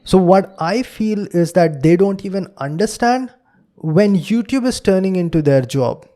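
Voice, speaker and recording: A man's voice: high voice, expressive, unhurried, mellow. A young man with an Indian English accent, a native Hindi speaker, talking alone on his podcast in an earnest, lecturing way. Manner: earnest, lecturing, acts out quotes in a raised voice. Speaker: podcast host. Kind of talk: solo podcast monologue.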